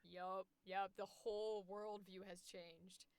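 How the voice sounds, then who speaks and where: A woman hosting a voice acting livestream, chatting casually with animated, expressive reactions. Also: mid-range voice, slow, crowd noise. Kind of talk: casual collaborative livestream chat.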